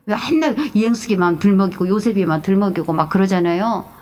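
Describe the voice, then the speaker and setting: A middle-aged woman pastor preaching an animated sermon, moving between loud exclamations and hushed, whispered asides. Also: mid-range voice, quick pace.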